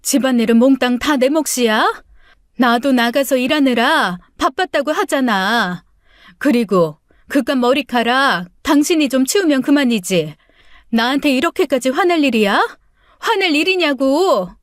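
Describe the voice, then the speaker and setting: A woman's voice: fairly high pitch, lively intonation, unhurried, no echo, studio quality. A woman playing a tired, hurt middle-aged wife in a radio story, answering her husband in a pleading tone. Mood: outburst. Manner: pleading, then bursting into shouts.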